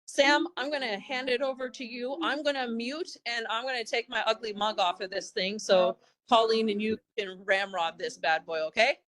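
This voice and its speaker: A woman's voice: fairly high pitch, steady tone, moderate pace, fairly bright tone, poor audio. A woman hosting a webinar on a video call, handing over to the presenter in a jokey, informal way. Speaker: webinar host. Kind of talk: casual handoff to the presenter. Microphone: computer microphone on a video call.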